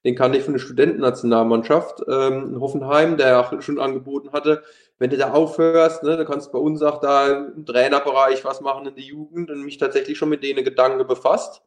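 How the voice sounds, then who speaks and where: Male, 30s, Palatinate German accent, ex-footballer in interview, halting delivery, roomy echo. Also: mid-range voice, fairly even intonation. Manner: hesitant, many fillers and restarts. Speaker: former pro footballer, youth coach. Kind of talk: interview, casual talk.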